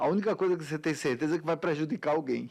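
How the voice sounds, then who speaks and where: Speaking in an unremarkable speaking voice, a man with a fairly high pitch uses ordinary pitch variation. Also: very clean recording, silent background. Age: 60s. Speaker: business consultant. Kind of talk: radio interview.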